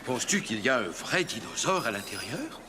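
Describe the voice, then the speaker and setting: A man playing a kindly, forgetful old grandfather in a children's cartoon, talking gently and patiently. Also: mid-range voice, very animated, fairly quick, background noise, lightly acted. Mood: gentle, patient. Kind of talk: French children's cartoon acting.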